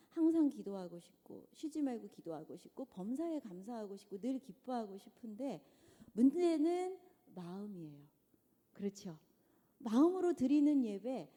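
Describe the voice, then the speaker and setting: A middle-aged woman giving a conversational church lecture to mothers, animated and often asking the audience questions. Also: on the high side. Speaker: guest lecturer. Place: large church hall. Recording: long church hall reverb.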